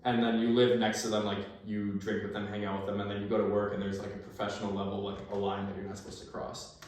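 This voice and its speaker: A man's voice: fairly low pitch, completely flat delivery, fast talker, darkish tone. An American man, a former army sniper, chatting as a podcast guest, swearing freely and acting out old conversations as he tells stories. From United States. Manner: profane, storytelling, acts out quoted exchanges. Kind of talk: casual chat. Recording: very echoey room, far from the mic.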